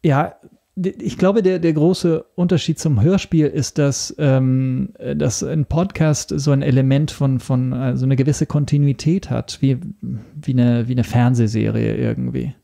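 Speaking casually as a podcast guest, a man from Italy hunts for words, often beginning his phrases again in a halting way during the interview. His voice is medium-pitched, gravelly, and mellow, with a steady tone.

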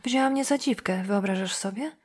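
A hot-headed young policewoman who flares up quickly, as a woman puts her on for an audiobook. She speaks sharply and indignantly, pitched higher than the narration. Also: a little mellow, close to an everyday voice. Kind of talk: audiobook dialogue.

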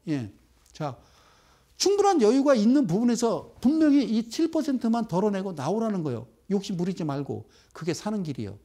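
A man's voice: high voice, dark tone. A middle-aged man giving a live broadcast lecture on stock trading, bantering with viewers and firing off rhetorical questions.

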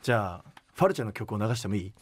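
A man's voice: lowish voice, expressive, racing, slightly rough, no echo, voice pushed down. A man playing a frank, easygoing senior stage performer in a radio skit, terse and confident.

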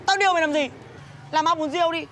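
A bossy market woman, nagging her friend in a high voice. Street noise can be heard behind her. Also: steady tone, fast, a bit bright, some chatter behind. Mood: scolding. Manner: bossy, scolding. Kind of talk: TV drama acting.

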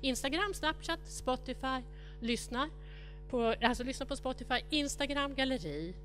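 A woman's voice: sits high, lively intonation, a bit bright, soft background music. A middle-aged woman giving a conference keynote in a large lecture hall, rattling off lists and speculating aloud. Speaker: keynote speaker.

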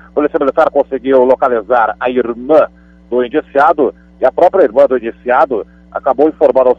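A man's voice: medium pitch, husky, no echo. A male reporter with a Brazilian Portuguese accent reads a radio police bulletin in a chatty way, throwing in emphatic asides as he goes. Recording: dry, phone-like radio line.

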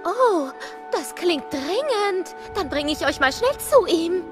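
An actress playing a dreamy, flirty female creature in an audio drama, with a breathy, swooning manner. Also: very high voice, very animated, slow, over music, exaggerated voice. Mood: flirty, gushing.

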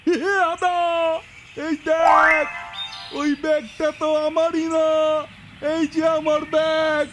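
A man's voice: very high-pitched, completely flat delivery, slow pace. A man voicing a crafty, indignant young boy in a children's comedy cartoon, exclamatory and scolding. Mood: puzzled, protesting. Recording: loud music behind the voice. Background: loud music.

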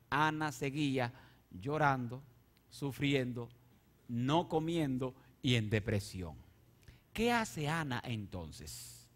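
A man preaching a sermon, swinging from soft, intimate asides to loud, rising appeals and question-and-answer calls to the congregation. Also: sits high. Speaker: pastor.

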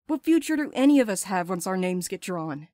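A woman's voice: mid-range voice, sing-song, fairly quick, dark tone, dry recording, studio quality, close to an everyday voice. A woman playing a restless, blunt courier in an audio drama, urgent and sardonic, eager to escape. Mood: eager, teasing.

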